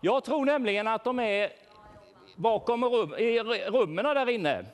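A man's voice: extremely high pitch, clear, resonant tone. A man playing a worried shepherd who searches for his lost sheep, speaking with children in a church and asking them to help him look and call out names. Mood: searching, playful. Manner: animated, asks children questions, calls out names. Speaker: children's talk leader. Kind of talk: playful role-play for children.

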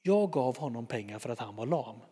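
Picture a man putting on a grumbling, indignant temple visitor who insists on getting his money back. His voice drops a little lower and sounds put out, with a long echo from the hall around him. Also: animated, dark tone, husky.

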